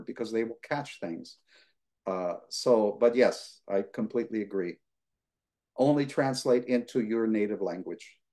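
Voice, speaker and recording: An older man from the United States talks through a video call from his home, answering students' questions. His delivery is relaxed and rambling, full of fillers and restarts. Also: mid-range voice. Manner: relaxed, rambling, many fillers, gestures with hands. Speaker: guest lecturer. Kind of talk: conversational Q&A answer. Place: home living room.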